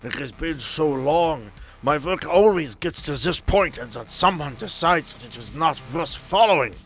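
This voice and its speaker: A man's voice: fairly high pitch, animated, normal speed, fairly bright tone, soft background music, voice pushed up. A man voicing a villainous spectral doctor in a tabletop game, dramatic and grandiose in his desperation. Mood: aggrieved, ominous.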